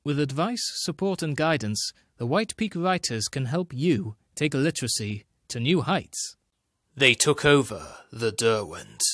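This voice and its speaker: A young man reading scripted promotional narration as a commercial voice-over, with a dramatic, deliberate delivery. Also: medium pitch, lively intonation, fairly bright tone, no echo, clean studio sound.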